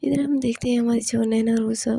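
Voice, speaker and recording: A woman's voice: on the high side, steady tone, brisk, creaky, warm tone, husky, dry recording. A woman narrating a serialized love story in a casual, rambling way, with many fillers.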